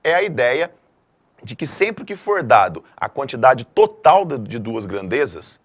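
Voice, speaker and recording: A middle-aged man from Brazil teaches a math lesson at a middle pitch. His delivery is lively and emphatic. He keeps checking in with his students. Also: unhurried. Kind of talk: video lesson.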